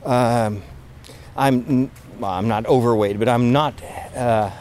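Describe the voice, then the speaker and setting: A man with a sore throat thinking aloud about his fatigue as he walks outdoors in a park, speaking haltingly with many restarts. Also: mid-range voice, steady tone, a little mellow. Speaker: podcast host. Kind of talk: casual spoken reflection, walking outdoors. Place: outdoors in a park near road works.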